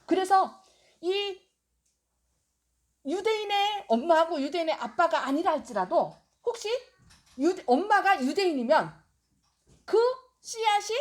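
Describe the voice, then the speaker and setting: A woman pastor preaching a sermon, telling a story expressively and quizzing the congregation with questions. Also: extremely high pitch.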